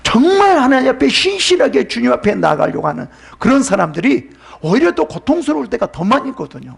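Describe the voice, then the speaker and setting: A man's voice: extremely high pitch, wildly swooping pitch, fast, vocal fry, slightly rough. A male pastor preaching a sermon, asking the congregation questions and answering them himself, often dropping to a whisper.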